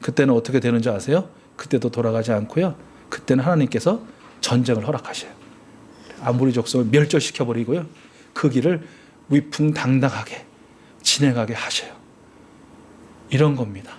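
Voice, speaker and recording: A man's voice: mid-range voice, fairly quick, long pauses, a little mellow, breathy edge. A man preaching a Sunday sermon as pastor of a church, asking the congregation questions and acting out the complaints of the people. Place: church service.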